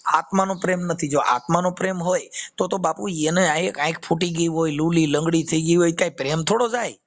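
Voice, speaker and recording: On a phone call, a devotional YouTuber with a Kathiyawadi Gujarati accent preaches informally, leaning on quoted verses and repetition. His voice is a little high and his pace a little fast.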